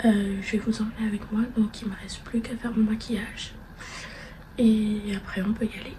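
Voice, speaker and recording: A soft-spoken woman talks at a moderate pace with long, frequent pauses and a monotone, flat intonation. Her loudness swings a lot, and there is noticeable background noise. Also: fairly high pitch for a woman. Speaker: vlogger. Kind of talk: casual vlog chat.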